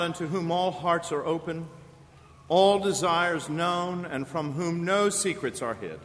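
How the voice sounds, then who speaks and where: A man leading a church service as a priest, praying and reading in a solemn, measured, intoning way, his voice ringing with cathedral echo. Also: on the high side, a bit bright. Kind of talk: formal liturgical prayer and reading. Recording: long church reverb, faint room hiss.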